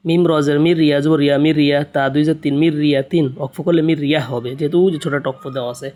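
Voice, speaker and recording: For beginner students, a man from Bangladesh who teaches the Quran spells out Arabic letters and their vowel marks. His fairly high voice stays flat, shifting between slow sing-song spelling chants and fast spoken explanations.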